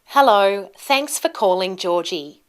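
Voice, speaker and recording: A woman in her thirties giving a scripted pronunciation lesson, enunciating carefully and deliberately with marked word stress. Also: medium pitch, animated, clear, resonant tone. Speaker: pronunciation teacher. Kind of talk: instructional lesson to camera, scripted. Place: small indoor studio with plain backdrop.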